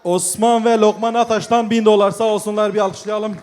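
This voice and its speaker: A male wedding announcer with a notably high voice projects loudly over a murmuring crowd. He calls things out in a celebratory, formulaic rhythm, like a master of ceremonies at a live event. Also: little pitch movement, a little fast, smooth. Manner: projected, formulaic announcer delivery with repeated thanks. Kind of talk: loud celebratory announcing, calling out names and gifts. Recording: live event, crowd chatter, background noise. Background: crowd and ambient noise.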